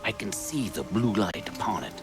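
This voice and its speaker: An actor playing a mysterious, cryptic tribal elder in a video game cutscene, speaking slowly and solemnly. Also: male voice, on the low side, expressive. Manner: slow, solemn, cryptic speech. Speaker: game character. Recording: game cutscene with loud music and rain.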